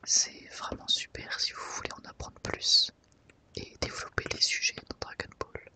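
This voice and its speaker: A woman presenting an ASMR video in a soft, breathy whisper, with gentle, unhurried and careful phrasing. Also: low-quality recording. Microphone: microphone set slightly off to the side.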